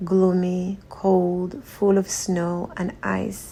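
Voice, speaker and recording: A woman with a Somali accent speaks at a very slow pace in a medium pitch, her tone dark and mellow and her intonation monotone and flat. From Somalia. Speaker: homesteader and vlogger. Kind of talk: casual vlog talk while gardening.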